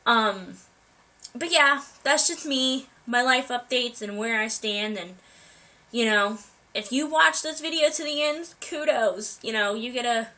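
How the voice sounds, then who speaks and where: Young woman vlogger, bright voice, recovering from a cold, chatty and meandering. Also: a little high, unhurried, low-quality recording. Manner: rambling, many ums and restarts. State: getting over a cold, coughing. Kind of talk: casual life update to viewers.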